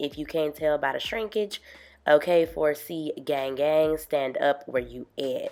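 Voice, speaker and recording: Her tone animated, a woman with a very deep, low voice speaks at a fairly slow pace with ordinary pitch variation. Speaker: hair and beauty vlogger. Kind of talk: tutorial. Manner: casual, animated.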